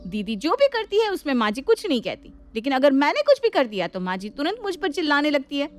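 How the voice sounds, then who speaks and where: Brief: woman playing a sulky young daughter-in-law, high and sharp, complaining. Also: big pitch swings, fast talker. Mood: aggrieved.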